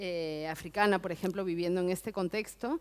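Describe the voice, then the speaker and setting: A woman uses a normal speaking voice at medium pitch and a moderate pace. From Peru. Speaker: artist and activist. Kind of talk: panel discussion. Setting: public event with live audience.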